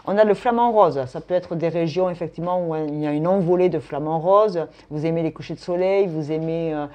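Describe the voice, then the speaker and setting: A woman's voice: lowish voice, warm tone. A woman from France, giving a casual tarot and astrology reading in a chatty, thinking-aloud manner. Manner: chatty, thinks aloud, frequent tag "hein". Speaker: tarot reader.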